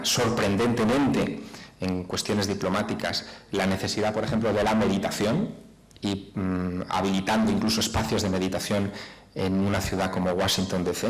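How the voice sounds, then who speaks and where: Man giving a formal introduction, lower voice. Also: low-quality recording. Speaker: conference host introducing speaker.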